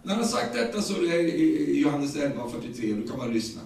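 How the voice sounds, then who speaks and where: Male preacher, Swedish accent, casual storytelling sermon, slightly high voice, echoey hall, distant mic. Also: gravelly. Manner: lively storytelling, retelling the scripture in casual speech with many repeated words. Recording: echoey, distant room sound.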